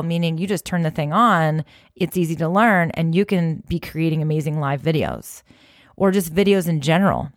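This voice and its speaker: A woman's voice: low-pitched, no echo, clean studio sound. A woman hosting a social media tips video, talking straight to her viewers in an encouraging, conversational way with plenty of casual fillers. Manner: encouraging, conversational, many "you know" fillers. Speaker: social media marketing host. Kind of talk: direct-to-camera advice talk.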